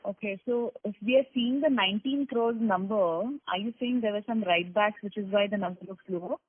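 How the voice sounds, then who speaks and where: A woman analyst presses management with careful, numbers-heavy questions on a conference call. Her voice has a husky edge. It comes through a narrow phone line in a dry, close sound. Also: medium pitch, fairly quick, no room sound. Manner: probing, detailed, numbers-focused.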